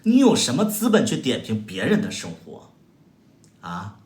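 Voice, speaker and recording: A man's voice: medium pitch, wildly swooping pitch, normal speed, darkish tone. A man from Heilongjiang with a Northeastern Mandarin accent, hosting a livestream and firing sarcastic, combative retorts at viewer comments with exaggerated exclamations. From Heilongjiang, China. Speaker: livestream host. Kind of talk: casual livestream chat answering viewer comments. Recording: echoey room sound.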